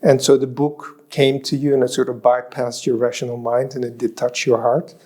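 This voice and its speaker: A man interviewing a guest, asking measured, leading questions. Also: mid-range voice, little pitch movement, a little mellow.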